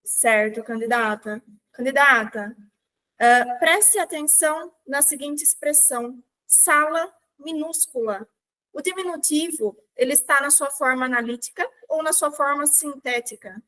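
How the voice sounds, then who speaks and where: A woman with a Brazilian Portuguese accent acting as examiner in a mock oral exam, putting questions formally and dictating them in a measured, deliberate way. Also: high voice, sharp tone.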